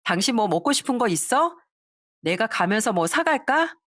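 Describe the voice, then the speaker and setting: A woman's voice: on the high side, sing-song, normal speed, fairly bright tone, dry recording, clean studio sound, voice pushed up. A woman voicing a sly, defensive young wife with a sweet, evasive tone. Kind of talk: storytelling voice acting.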